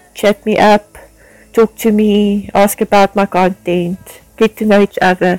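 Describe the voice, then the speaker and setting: A woman with a South African accent, medium pitch, and fairly slow pace, in a dry, close sound with no echo. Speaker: Twitch streamer. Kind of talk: unscripted personal monologue. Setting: recording at home while doing chores. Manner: halting.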